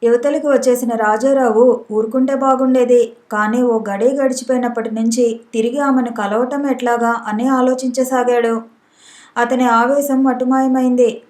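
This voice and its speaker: A woman narrating a novel as an audiobook in a steady, even reading manner. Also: on the high side, moderate pace. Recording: roomy echo.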